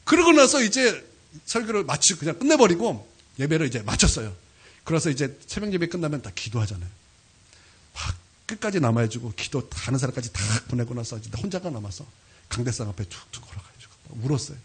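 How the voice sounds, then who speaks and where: Man, pastor, sermon, husky tone, very lively pitch, animated storytelling. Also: fast. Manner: animated storytelling with sudden loud peaks. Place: church sanctuary.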